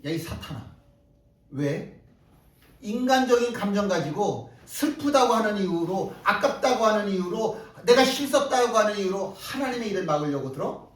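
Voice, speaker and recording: A man preaching a sermon in a high, lively voice that climbs and drops sharply. He presses his points with rhetorical questions and repeats phrases for weight. The sound is roomy and a little distant, as if picked up across a reverberant church hall. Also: normal speed. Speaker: pastor. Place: church sanctuary. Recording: echoey hall, mic at a distance.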